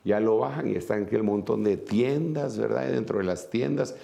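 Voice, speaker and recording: A man's voice: lowish voice, normal speed, vocal fry, mellow. A man preaching a sermon, reading scripture aloud and then explaining it at a whiteboard with many fillers and asides.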